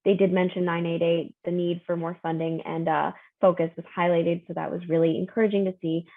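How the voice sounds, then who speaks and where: A woman giving quick federal updates in an online meeting, hurrying through with many fillers. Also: on the low side, little pitch movement, dry recording, narrow, tinny audio. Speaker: advocacy staffer.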